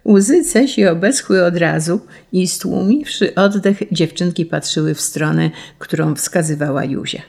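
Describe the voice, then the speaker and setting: A woman reads a children's storybook aloud with steady, expressive pacing. Her voice sits low and sounds husky and gravelly, with plenty of fry. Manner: measured, expressive reading. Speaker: audiobook narrator. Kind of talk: scripted narration of a children's story.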